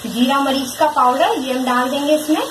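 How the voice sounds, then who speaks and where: A woman with a high voice explains a recipe step by step at her home stove, speaking patiently and repeating each instruction for her viewers. The kitchen sounds echoey, and the camera mic above the pot picks up a loud, steady hiss behind her voice. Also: normal speed. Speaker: home cook presenting a recipe. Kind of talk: step-by-step cooking demonstration.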